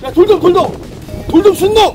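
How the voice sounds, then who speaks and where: A man fishing on an outdoor pier, boasting playfully and swinging between shouts and mutters. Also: extremely high pitch, moderate pace, music in the background. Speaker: angler.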